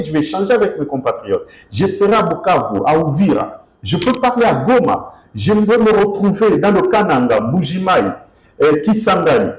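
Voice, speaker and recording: A man's voice: medium pitch, reverberant, rough recording. A man from Kinshasa answering interview questions as an author, speaking emphatically with many fillers and restarts. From DR Congo, Kinshasa. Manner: expressive, emphatic, repeats himself with fillers.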